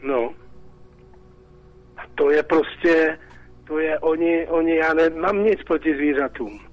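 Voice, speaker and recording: Czech male caller, slightly high, agitated and rhetorical; dry, dull phone-in sound. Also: no echo. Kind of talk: call-in radio talk.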